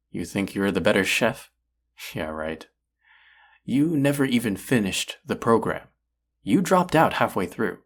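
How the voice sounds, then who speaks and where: A man's voice: on the low side, big pitch swings, a little slow, long pauses, exaggerated voice. A man playing a proud, combative restaurant chef in an audio roleplay, indignant, condescending and sarcastic as he argues. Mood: scornful. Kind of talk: audio roleplay acting, one-sided dialogue.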